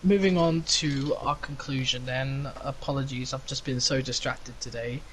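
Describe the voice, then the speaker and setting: A man's voice: mid-range voice, fairly even intonation, normal speed, fairly bright tone, a little hiss or hum, poor audio. A man hosting a casual racing podcast, chatty and teasing, laughing often. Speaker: podcast host.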